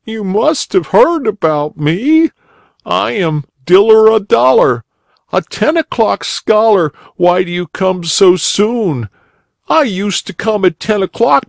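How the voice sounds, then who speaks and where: A man voicing a tearful young schoolboy who is late for school, pitched far up. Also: animated, slow, creaky, no room sound, exaggerated voice. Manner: high, wailing, tearful.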